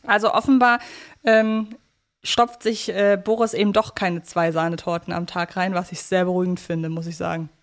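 A woman's voice: on the low side, steady tone, normal speed. A woman co-hosting a podcast, chatting casually in a wordy, playfully analytical way. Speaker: podcast co-host. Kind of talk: casual chat, analysing a radio play.

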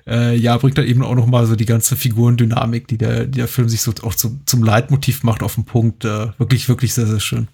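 A podcast guest, a man with a gravelly, raspy voice, talks about a film analytically. He hesitates often and restarts his sentences. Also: mid-range voice, little pitch movement, fairly quick, darkish tone. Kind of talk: casual film discussion.

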